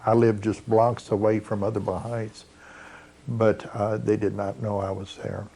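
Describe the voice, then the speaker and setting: A man's voice: lowish voice, little pitch movement, a little slow, gravelly, dark tone, breathy edge. A man giving a personal account as an interviewee.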